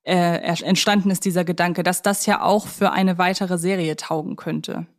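A woman's voice: fairly low pitch, steady tone, normal speed. Woman thinking aloud in podcast discussion. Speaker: podcast co-host. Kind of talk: conversational film discussion.

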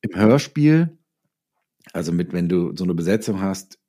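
Male writer as interview guest, low relaxed voice, explains casually through examples. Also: normal speed. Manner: explains with hypothetical examples and acted-out quotes. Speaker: interviewed writer and audio drama maker.

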